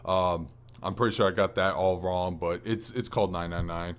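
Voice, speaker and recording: A man with a fairly low voice talks as a podcast co-host. His delivery is casual and conversational, and it rambles along like a chat between gaming friends. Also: fairly even intonation, normal speed, smooth. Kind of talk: casual chat about video games.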